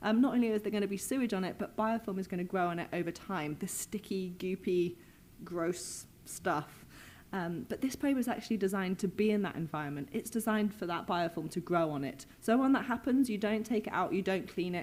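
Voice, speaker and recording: Someone with a British accent talks at a fairly quick pace with lively intonation on a very clean recording with a silent background. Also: woman, medium pitch for a woman. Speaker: microbiologist and conference speaker. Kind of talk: conference talk. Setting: stage with audience. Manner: fast.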